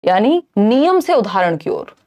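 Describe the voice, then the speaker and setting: A woman's voice: mid-range voice, very animated, measured pace, a little mellow. A young woman teaching an exam-prep lesson, explaining with rhetorical questions and mixing in English terms. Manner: explains in Hindi with English terms, asks and answers own questions.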